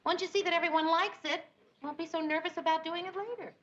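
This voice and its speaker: A woman's voice: very high-pitched, steady tone, fast talker, muffled recording. An actress playing a cheerful, sensible young woman who talks in an upbeat, coaxing way. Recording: noisy old TV audio.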